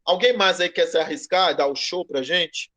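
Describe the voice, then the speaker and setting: A man teaching a class online, giving feedback with many restarts and slowing down to model pronunciation. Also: high-pitched, a bit bright. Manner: hesitant, repeats words, slows to model pronunciation. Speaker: Greek teacher.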